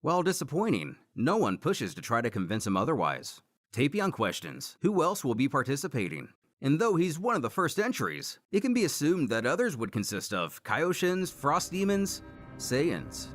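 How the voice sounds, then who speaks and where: A man narrating a scripted story recap with animated delivery and wry asides. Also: fairly high pitch, moderate pace, no echo. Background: faint background music.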